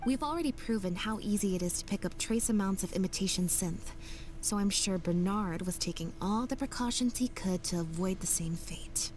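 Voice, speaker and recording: A woman voicing a sharp young detective who calmly explains her deductions. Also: medium pitch, close to an everyday voice. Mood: explaining. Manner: measured, explanatory. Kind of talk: game voice acting.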